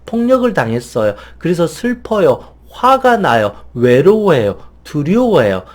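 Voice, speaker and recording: Middle-aged guy giving a gentle lecture, soothing talk, fairly high voice that swings up and down a lot. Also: big pitch swings. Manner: slow, soothing counting and gentle guided speech; speaks in soft consoling phrases to an imagined child. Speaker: meditation and inner-child lecturer. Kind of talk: calm instructional lecture.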